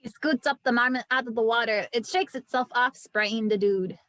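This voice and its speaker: A woman's voice: fairly high pitch, normal speed, fairly bright tone, dry recording. A woman narrating scripted stage directions at an amateur table read.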